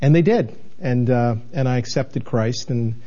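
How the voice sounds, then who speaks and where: A man's voice: medium pitch, measured pace, warm tone, muffled recording. Earnest man in his sixties, rambling. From New England, United States. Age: 60s. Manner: earnest, rambling, with many restarts and fillers. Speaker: television station manager, guest. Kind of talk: candid interview conversation.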